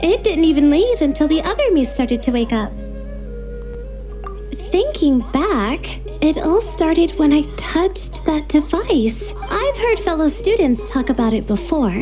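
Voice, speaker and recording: A woman voicing a sleepy, hesitant young female scholar in a game, speaking slowly and stammering at times. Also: sits high, sing-song, dark tone. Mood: reflective. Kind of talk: game dub acting. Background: game music.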